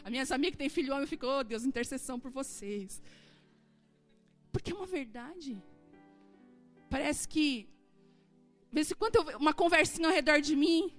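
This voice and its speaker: A woman's voice: high voice, normal speed, long pauses, soft background music. A woman in her forties, a pastor, preaching a sermon in a church and acting out dialogue as she tells stories. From southern Brazil. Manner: animated storytelling, acting out dialogue. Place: church hall.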